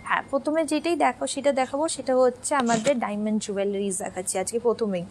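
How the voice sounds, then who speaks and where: Young woman, live-stream sales host, bright high voice, casual and chatty, mixes languages, answers viewer comments as she goes. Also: slight background noise. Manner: chatty, switching between Bengali, Hindi and English; reads viewer comments aloud and answers them.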